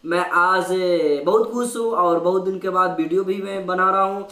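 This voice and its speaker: A man from India talks to his viewers in a humble, pleading tone. His voice sits fairly high. The sound is roomy and picked up from a little way off the mic. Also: steady tone, normal speed, pushed and bright, recorded from a distance. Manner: humble, pleading, asks repeatedly. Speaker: keyboard player and channel host. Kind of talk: casual talk to camera.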